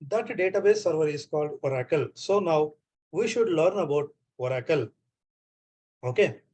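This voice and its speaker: Man, Indian accent, online lecture, repeats himself, checks understanding, higher pitch. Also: darkish tone, husky. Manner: repeats phrases often, checks on students. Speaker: trainer.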